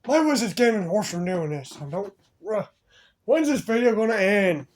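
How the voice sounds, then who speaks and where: Man, high voice, playful, rambling, silly improvised banter for toy figures. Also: animated, normal speed. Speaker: fan video voice actor for toy figures.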